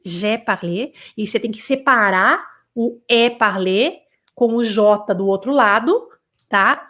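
A woman's voice: on the high side, a bit bright. Brazilian woman teaching French casually. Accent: Brazilian Portuguese. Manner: casual, checks in with tag questions, slows down to model French phrases. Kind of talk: live online language lesson.

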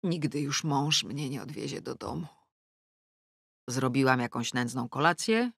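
A woman's voice: extremely low pitch, expressive, unhurried, vocal fry, fairly bright tone, no echo, clean studio sound. A middle-aged woman reading a first-person comic novel aloud, wry and self-mocking, dropping to sulky mutters and rising into exclamations. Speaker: audiobook narrator. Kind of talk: first-person audiobook narration.

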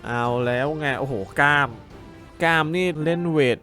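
A gameplay commentator records an excited Let's Play of a fighting game, yelling and repeating words during fights while loud game music plays behind him. His voice is fairly high at a normal speed, and he has a slight sore throat.

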